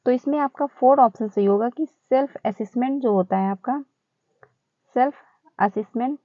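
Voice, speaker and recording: A woman talks through test questions like a friendly tutor, looping back over phrases with easy fillers. Her voice sits a little high, and the audio is dry and a bit muffled with no room sound. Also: normal speed, no echo. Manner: chatty, repeats phrases with fillers. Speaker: exam prep teacher. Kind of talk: casual Hindi-English teaching explanation.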